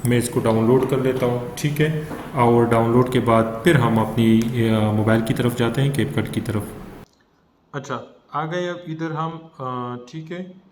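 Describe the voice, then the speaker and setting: A man with a South Asian accent gives a casual software tutorial, explaining informally step by step. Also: mid-range voice, measured pace. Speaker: tutorial presenter. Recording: noticeable background noise.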